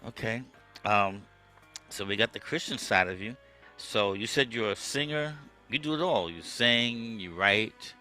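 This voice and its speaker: Male podcast host, very low voice, forceful tone, relaxed chat, soft music underneath. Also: a little slow. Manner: relaxed, conversational, with frequent "um" and "okay". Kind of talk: casual interview chat. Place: home music studio.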